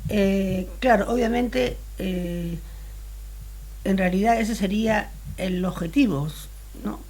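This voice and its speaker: An older woman in her sixties, originally from Spain, answers interview questions in an easy conversational way. Her voice is husky and sits at a middle pitch. She often pauses and restarts while she looks for the right phrase. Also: a little mellow. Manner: thoughtful, searches for words with many pauses. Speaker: interview guest.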